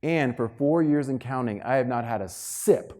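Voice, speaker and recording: A man giving a motivational keynote to an audience, telling stories in an animated, emphatic way and acting out dialogue. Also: mid-range voice, moderate pace. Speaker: keynote speaker. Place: live talk before an audience.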